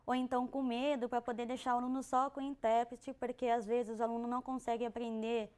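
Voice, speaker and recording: A woman's voice: on the high side, flat delivery, darkish tone, clear, resonant tone. A young deaf woman with a Brazilian Portuguese accent, a guest on a TV talk show, explaining carefully. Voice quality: deaf speaker who lip-reads. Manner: measured, explains carefully with some restarts. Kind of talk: studio talk show interview.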